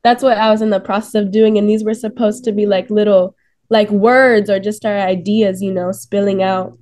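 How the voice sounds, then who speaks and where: A woman's voice: mid-range voice, level tone, normal speed, darkish tone. A woman casually and tentatively explaining something on a video call, with frequent filler words.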